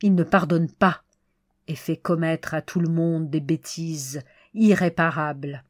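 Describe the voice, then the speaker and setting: A woman reading the part of an excitable middle-aged male clerk who warns a stranger about love, in an emphatic, insistent way. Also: low-pitched, a little slow, no room sound, studio quality.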